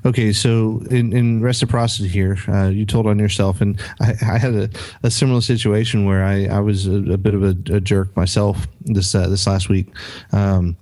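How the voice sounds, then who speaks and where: A man's voice: fairly low pitch, flat delivery, normal speed, darkish tone. A middle-aged man on a podcast, casually telling a story with many restarts and acted-out quotes. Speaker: podcast co-host.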